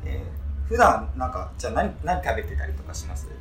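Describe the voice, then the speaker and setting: Low-voiced, lively woman radio host. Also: quick pace, reverberant, far from the mic, soft background music. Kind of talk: casual comic banter.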